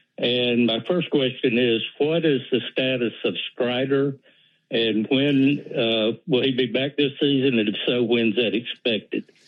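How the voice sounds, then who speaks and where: A man with a Southern US accent speaks at a medium pitch and a fairly slow pace. His loudness stays very even and his intonation fairly even. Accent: US South. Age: 70s. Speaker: caller. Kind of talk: phone-in call. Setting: phone call.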